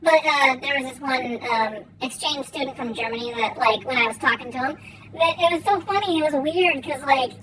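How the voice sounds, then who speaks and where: A woman giving casual gameplay commentary and chatting with viewers in a rambling, halting way, her R's softened toward W. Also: high voice, a little hiss or hum, poor audio. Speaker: game streamer. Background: faint music.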